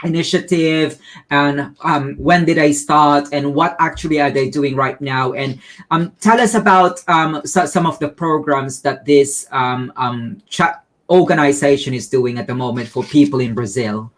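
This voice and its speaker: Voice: medium pitch, moderate pace. An interview host asking questions hesitantly, with frequent ums, on a video call.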